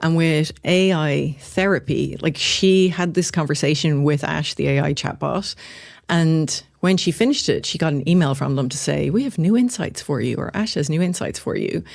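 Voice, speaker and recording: A woman speaks with an Irish accent in a very deep, low pitch. Her pitch variation is ordinary. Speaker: podcast co-host and psychology lecturer. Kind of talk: casual podcast discussion. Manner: fast; animated.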